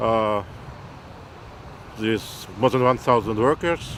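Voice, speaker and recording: A man with a Russian accent talks at medium pitch with ordinary pitch variation amid noticeable background noise. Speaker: businessman interviewee. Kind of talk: interview. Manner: halting, many fillers.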